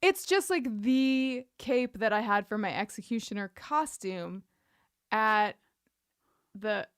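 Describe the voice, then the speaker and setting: A woman with a clear, smooth voice at a middling pitch co-hosts a casual podcast. She talks and tells stories in a wry, playful, informal manner. The recording is dry and close. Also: slow, dry recording. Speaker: podcast co-host. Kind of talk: casual chat and personal storytelling.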